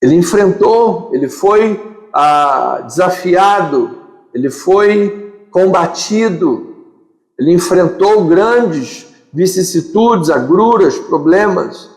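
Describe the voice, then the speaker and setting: Speaking slowly in a high, darkish voice with lively intonation, a man with a Brazilian accent preaches as pastor, driving home his points through emphatic repetition and lists. The church sanctuary gives an echoey hall sound with long reverb.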